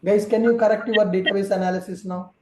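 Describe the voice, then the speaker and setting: A male trainer with a high voice teaches an online class. He explains things patiently, one step at a time. His tone is mellow, and the room around him echoes. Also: fairly even intonation, fast talker.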